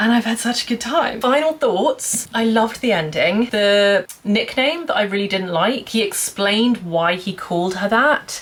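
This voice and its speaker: Over noticeable background noise, a woman with a fairly high pitch talks with lively intonation, very even loudness and hardly any pauses. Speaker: book vlogger. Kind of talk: casual vlog talk to camera. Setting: at home. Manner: fast; animated.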